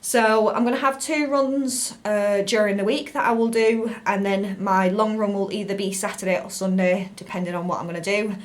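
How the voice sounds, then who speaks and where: British female fitness vlogger, mid-pitched, informal and rambling explainer delivery to camera. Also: steady tone, normal speed, hardly any pauses. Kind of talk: casual talk to camera.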